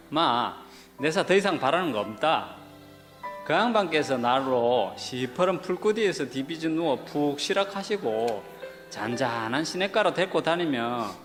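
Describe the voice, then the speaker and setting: A man with a Gyeongsang dialect giving a comic, loud and folksy dialect reading of a scripture passage. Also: mid-range voice. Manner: loud, rough and folksy, drawn-out delivery. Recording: played recording in a reverberant hall with music behind.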